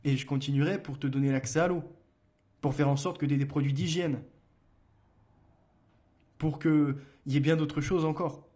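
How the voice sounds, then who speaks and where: A man's voice: a little high, steady tone, normal speed, pauses often, warm tone. A man hosting a solo commentary show. He argues and challenges listeners with rhetorical questions, reads book passages aloud, and often hesitates and restarts. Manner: argumentative, addresses listeners directly with rhetorical questions.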